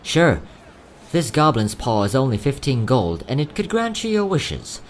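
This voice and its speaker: A man playing a courteous, quietly sad young travelling merchant in a fantasy audio drama, speaking in polite, theatrical salesman's patter. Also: mid-range voice, huge pitch swings, a little slow, a little hiss or hum. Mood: wry sales patter. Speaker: voice actor.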